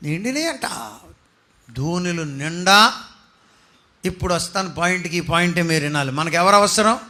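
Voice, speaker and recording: A man's voice: high-pitched, animated, normal speed, sharp tone. A male pastor preaching a sermon, firing rhetorical questions at his congregation and pressing them for answers.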